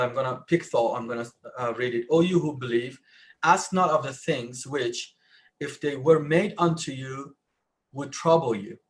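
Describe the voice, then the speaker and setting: Man, Persian speaker, live online discussion, halting, restarts often, mid pitch. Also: rough recording. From Iran. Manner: halting, many restarts, rising emphasis. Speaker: panelist.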